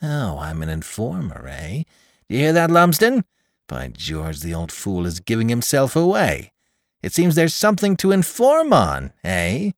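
A man's voice: medium pitch, huge pitch swings, measured pace, no room sound, clean studio sound, voice pushed up. A man voicing a drunk, sneering male troublemaker with a slurred, taunting manner.

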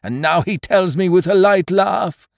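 A loud, blustering schemer from a storybook, full of hearty indignation, as a male narrator puts him on. The voice leaps up high when worked up, and it sits in a dry, close space. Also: huge pitch swings, normal speed, no room sound. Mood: outraged. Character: blustering booming middle-aged male schemer.

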